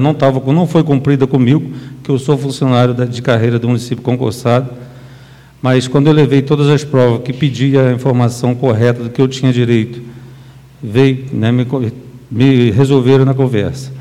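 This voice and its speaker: A man's voice: medium pitch, mellow, big-room sound. A man who works for the city, speaking formally at a council session and stressing his points with repeated checks. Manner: insistent, repeating "tá?". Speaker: council speaker, career municipal employee. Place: council chamber.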